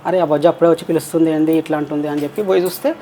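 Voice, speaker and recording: Speaking at a racing pace, a transgender interview guest with a Telangana Telugu accent rambles through long personal stories and acts out quoted voices. The mid-range voice has a steady tone and a dark color. The talk is casual storytelling, with a little hiss or hum.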